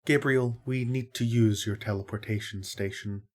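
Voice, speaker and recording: Man as a low-voiced, matter-of-fact angel. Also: steady tone, moderate pace, a little mellow, lightly acted. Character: level-headed, protective male angel, a working healer. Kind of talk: audio drama acting.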